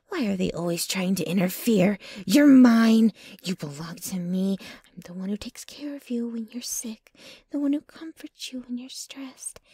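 A woman's voice: medium pitch, mellow, no room sound, full character voice. A woman playing a jealous, possessive, dominant yet clingy young girlfriend in an intimate, whispery ASMR roleplay, close to the microphone. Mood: hateful, possessive, then needy, possessive. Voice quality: breathy, whispery. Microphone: close microphone, dry.

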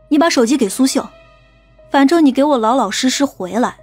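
An actress playing a stern, haughty policewoman in an audiobook, sharp, commanding and husky. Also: high-pitched, full character voice. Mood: cold, commanding. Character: stern, haughty police team leader woman, easily angered.

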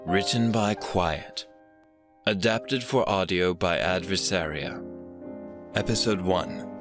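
A man's voice: sits low, takes it slowly, over music. A man reading scripted titles as the announcer of an audio drama.

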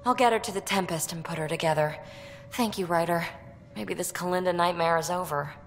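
A woman acting as a young alien adventurer, impulsive and guarded. Her voice sits fairly low, with a breezy, sardonic, conversational edge. It is video game dialogue with music underneath. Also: a little fast, lightly acted. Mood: brisk.

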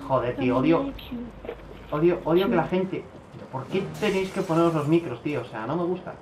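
A man from giving casual commentary over his own gameplay, swearing a lot and breaking into loud outbursts. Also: a little high, brisk, reverberant, noisy background. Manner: swears often, bursts into excited outbursts.

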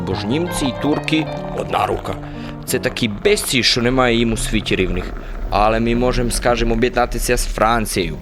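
An actor playing a good-natured, simple-minded soldier who rambles naively and confidently in a radio play. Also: male voice, mid-range voice, close to an everyday voice. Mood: confident, excited. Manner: rambling, naive tavern philosophizing with confident pronouncements. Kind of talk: radio play character acting. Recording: music under the voice.

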